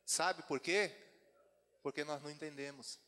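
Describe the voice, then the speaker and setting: A man with a Brazilian Portuguese accent preaching in a slightly high voice. He moves between relaxed asides and scripture read aloud. His voice carries with a long hall reverb. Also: measured pace. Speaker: pastor. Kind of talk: sermon. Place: church retreat hall.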